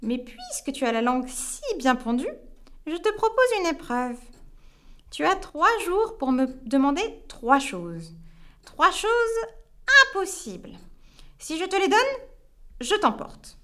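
A spiteful old storybook witch with a small, sharp, sour voice, as a woman puts her on. She sneers and taunts, pitched well up and pushed louder than the narration, her lines swooping high. It reads like a children's tale told aloud. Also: exaggerated voice. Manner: mocking, sneering. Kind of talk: storybook reading.

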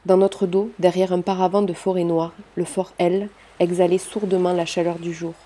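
A woman reading a first-person novel aloud in a steady, measured way. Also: fairly low pitch. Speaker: audiobook reader.

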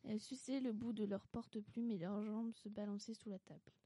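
A woman reading a children's story aloud in a careful, measured way. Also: medium pitch, fairly even intonation, mellow, dry recording.

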